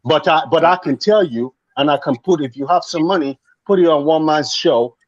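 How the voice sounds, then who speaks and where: A man's voice: a little high, normal speed, no echo. Give me an older man, slightly muffled. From Lagos, Nigeria. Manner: insistent, stammering and repeating phrases. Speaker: panelist on a political talk show. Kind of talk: live political debate.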